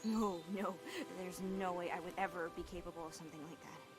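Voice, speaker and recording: A woman's voice: on the low side, steady tone, brisk, loud music behind the voice, close to an everyday voice. A woman playing a hesitant young violinist. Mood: doubtful. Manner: hesitant and self-doubting. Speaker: game character. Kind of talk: video game voice acting.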